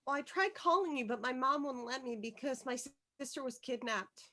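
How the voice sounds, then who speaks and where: Woman playing an anxious schoolgirl, high and bright. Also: lively intonation, a little fast. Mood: shy, hopeful. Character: anxious, earnest young schoolgirl, meek but hopeful. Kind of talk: virtual table read of a film script.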